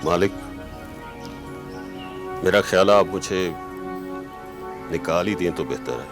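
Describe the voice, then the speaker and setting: A man's voice: sits low, slow. An actor playing a humble male servant who speaks respectfully to his master. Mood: deferential. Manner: respectful, submissive. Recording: music under dialogue.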